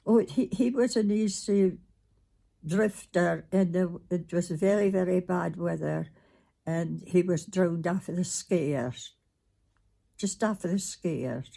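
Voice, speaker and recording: A woman's voice: lowish voice, slow, gravelly, mellow. An elderly woman from north-east Scotland with a Doric accent, reminiscing in an informal interview with brief, plain-spoken answers. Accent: north-east Scottish Doric.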